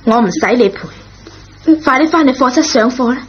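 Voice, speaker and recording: An actress playing a kind, forgiving schoolteacher in a radio drama, speaking in a gentle, measured, reassuring way. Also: female voice, sits high, animated. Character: kind, forgiving, patient female schoolteacher, a parent. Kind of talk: Cantonese radio drama acting. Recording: dull, noisy old radio recording.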